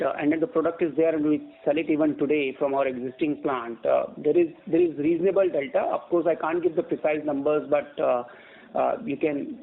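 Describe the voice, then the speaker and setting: Over a narrow, tinny phone line, a male company executive answers questions on an earnings call. His voice sits a little high for a man. He explains in a measured but halting way, repeating words as he goes. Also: vocal fry.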